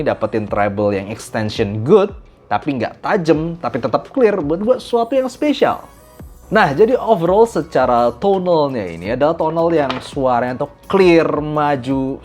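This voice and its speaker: An Indonesian man with a medium-pitched voice gives a casual, animated spoken review of audio gear, slipping English phrases into his speech.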